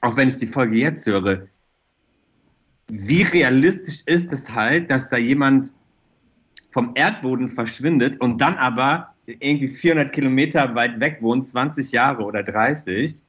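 A man's voice: medium pitch, a little slow, a bit bright, slightly rough. Effusive middle-aged man, slightly muffled. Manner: enthusiastic, rambling, effusive. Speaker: interview guest, fashion designer. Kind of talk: casual podcast chat, personal anecdotes.

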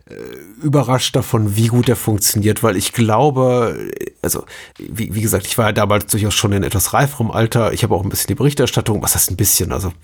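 A man co-hosting a casual film podcast, halting and repeating words. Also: fairly low pitch. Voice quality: gravelly and husky. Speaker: podcast co-host.

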